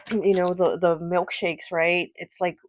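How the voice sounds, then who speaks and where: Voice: medium pitch, little pitch movement, takes it slowly, slight background noise, rough recording. A tarot reader with a stuffy, nasal voice from a cold, doing a casual, chatty card reading with lots of fillers and small laughs. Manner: chatty, rambling, frequent fillers and little laughs.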